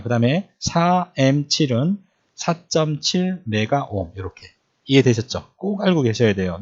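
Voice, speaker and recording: A man's voice: medium pitch, darkish tone, husky. A man teaching electronics in a lecture style, often repeating points and quizzing the listeners with questions. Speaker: electronics instructor. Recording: dull lo-fi recording.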